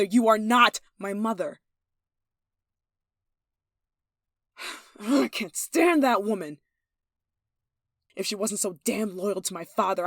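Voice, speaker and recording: A woman's voice: medium pitch, fairly bright tone, dry recording, studio quality, lightly acted. A woman playing a possessive, haughty young noble in a yandere ASMR roleplay, speaking in an imperious, jealous way with sighs. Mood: irritated, haughty. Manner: imperious, indignant, sighing, clipped commands.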